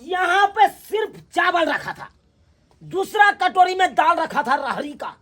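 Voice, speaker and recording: Woman playing a haughty, very high-voiced son-in-law. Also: sing-song, unhurried, full character voice. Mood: boastful. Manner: indignant, scolding, sharp demands. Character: haughty young male son-in-law, picky and demanding. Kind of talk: village comedy skit.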